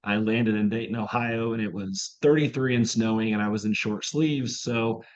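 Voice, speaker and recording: A hoarse man, a mindset coach, talking as a guest in an upbeat, fluent way. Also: fairly low pitch, steady tone, moderate pace, highs cut off. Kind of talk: casual interview chat.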